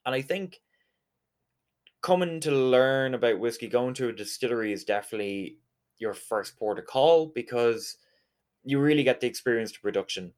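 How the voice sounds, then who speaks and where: A man's voice: mid-range voice, lively intonation, moderate pace, a little mellow. A man from Galway with a west of Ireland accent, explaining things conversationally as an interview guest. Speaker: interview guest, whiskey distillery representative.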